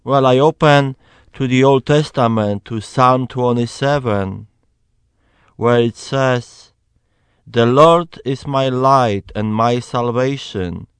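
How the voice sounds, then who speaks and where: Slow earnest man with a Polish accent. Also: medium pitch, clear, resonant tone, no room sound. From Poland. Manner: slow, earnest, emphatic preaching. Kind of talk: personal testimony, Bible reading.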